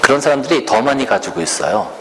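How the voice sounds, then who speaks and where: A man preaching a sermon slowly and earnestly, asking the congregation rhetorical questions. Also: medium pitch. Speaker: pastor. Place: church sanctuary. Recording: reverberant church hall with faint room noise.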